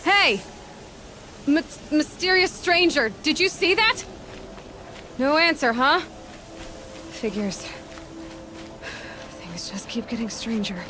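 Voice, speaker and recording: An actress playing a young, curious, self-reliant tribal huntress in a video game, wryly talking to herself. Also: female voice, high voice, expressive, takes it slowly, long pauses, bright, forceful tone, slight background noise, exaggerated voice. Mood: startled. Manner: muttering to herself, wry.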